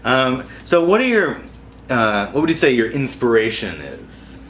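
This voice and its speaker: A man's voice: medium pitch, very animated, a little slow, a bit bright, echoey room, slight background noise. A man hosting a casual comedy show, interviewing guests and introducing games in a loose, joking, improvised way.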